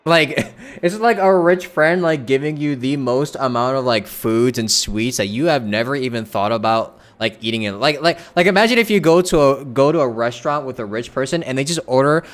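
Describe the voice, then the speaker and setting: Clear-voiced young male game streamer. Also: medium pitch, moderate pace, hardly any pauses. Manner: slangy, repetitive, reacting loosely. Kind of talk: casual live gameplay commentary.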